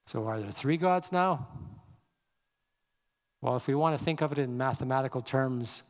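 A man preaching a sermon, reading scripture aloud slowly and leaning on key words. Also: medium pitch, expressive, in a large hall. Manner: slow, measured delivery, reading scripture aloud with deliberate emphasis. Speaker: pastor.

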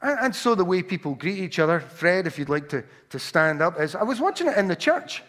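A Scottish man with a Glaswegian accent delivers a sermon in a church hall. His voice sits a little high for a man, and he tells personal stories with frequent stumbles and restarts. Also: very animated, a little fast, a bit bright. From Scotland. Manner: anecdotal storytelling with frequent restarts. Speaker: preacher.

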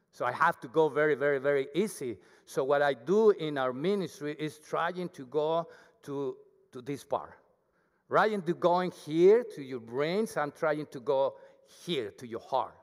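A man with a thick Mexican accent, Spanish his first language, preaching a humble, chatty sermon as a guest speaker. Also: mid-range voice. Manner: humble, self-deprecating, chatty with the congregation. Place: church. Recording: hall reverb.

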